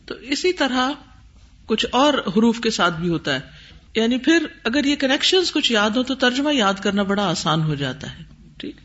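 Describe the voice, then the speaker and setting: A man teaching Arabic vocabulary in a classroom lesson. He explains each word step by step, reads the Arabic terms slowly, and quizzes the class. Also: high voice, a bit bright, lo-fi sound. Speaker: Quran teacher.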